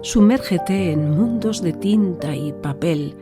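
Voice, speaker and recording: A woman delivering a scripted, poetic podcast introduction with measured, deliberate phrasing. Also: lowish voice, expressive. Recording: new-age music bed behind.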